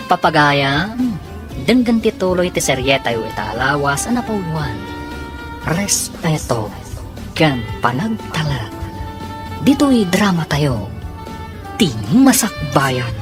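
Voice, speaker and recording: A woman's voice: deep voice, very animated, takes it slowly, pauses often. A woman with a Filipino accent announcing and narrating a radio drama in a scripted dramatic style. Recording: music under the voice. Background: music.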